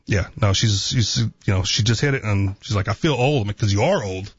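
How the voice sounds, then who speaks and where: A man's voice: fairly low pitch, a little fast, husky, dry recording, muffled recording. A man co-hosting a talk radio show, talking casually, teasing, and checking in with "right?". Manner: conversational, teasing, asks "right?" a lot.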